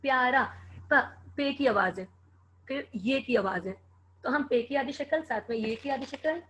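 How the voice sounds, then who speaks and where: High-voiced woman teacher spelling slowly. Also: a bit bright, slight background noise. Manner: slow, clear letter-by-letter spelling. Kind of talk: classroom lesson for children.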